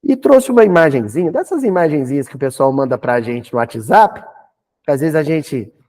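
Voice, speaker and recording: A man with a Brazilian Portuguese accent giving a spiritist talk in a folksy, animated way, with humorous asides. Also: fairly high pitch, normal speed. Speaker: spiritist lecturer.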